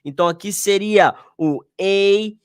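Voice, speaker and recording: A man with a Brazilian Portuguese accent teaches an online exam review lesson, speaking in a high-pitched, clean voice at a measured pace. He's casual and slangy, addressing his students directly.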